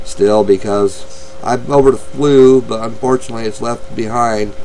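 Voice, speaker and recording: A man's voice: medium pitch, fairly even intonation, normal speed, warm tone, slight background noise, low-quality recording. A man in his thirties with a stuffy nose from a cold, rambling through casual commentary on a mobile card game with many ums and uhs.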